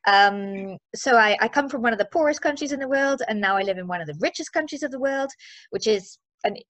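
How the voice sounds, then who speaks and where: A woman in her forties from Zimbabwe, talking casually as an interview guest in a chatty, playful, expressive way. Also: a little high, brisk, no room sound. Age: 40s. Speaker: interview guest, mindset and movement coach.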